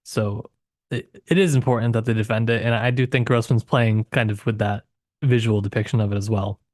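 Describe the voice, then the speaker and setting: A man's voice: fairly low pitch, fairly even intonation, brisk, darkish tone, dry recording. Man thinking aloud, dry studio sound. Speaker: podcast co-host. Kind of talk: casual literary discussion.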